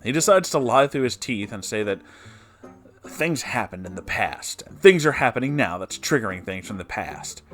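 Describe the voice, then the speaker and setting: A man's voice: lowish voice, animated, normal speed, a bit bright. A man narrator reading a written personal story aloud, with brief asides of his own. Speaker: narrator reading online stories.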